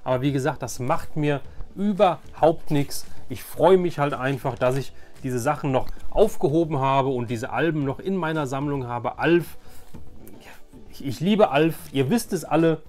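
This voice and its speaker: A man's voice: a little high, moderate pace, a little mellow, soft background music. A man in his forties talking to viewers in a casual, nostalgic vlog style, informal, rambling and enthusiastic. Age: 40s. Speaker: video host.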